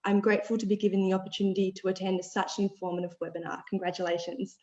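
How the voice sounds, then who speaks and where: A woman's voice: medium pitch, level tone, very fast, dark tone, echoey room, dull audio. A woman hosting a webinar, upbeat, reading out audience questions and wrapping up. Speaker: webinar host.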